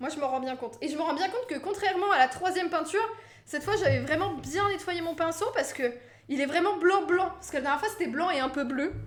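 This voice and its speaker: A woman speaks at a very fast pace in an extremely high pitch, with an animated tone and lively intonation. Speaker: streamer painting live, also a teacher. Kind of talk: casual live stream chat while painting. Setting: live stream. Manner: animated, talks with hands.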